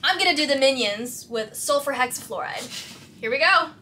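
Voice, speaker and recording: A young woman chatting casually and playfully as a vlogger, excitable and giggly. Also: high voice, moderate pace. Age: young adult. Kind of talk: casual, playful demonstration chat. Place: small cluttered workshop, indoors. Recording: noisy workshop camera audio.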